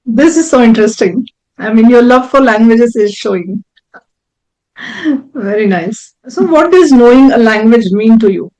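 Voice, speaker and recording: A woman's voice: fairly high pitch, animated, normal speed, a little mellow, poor audio. A woman hosting an interview show, reading introductions and putting questions to a guest. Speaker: host.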